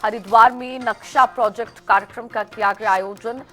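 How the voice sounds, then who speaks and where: Bright-voiced woman reading news headlines. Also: a little high, fairly even intonation. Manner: brisk headline delivery. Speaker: news anchor. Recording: faint music bed behind.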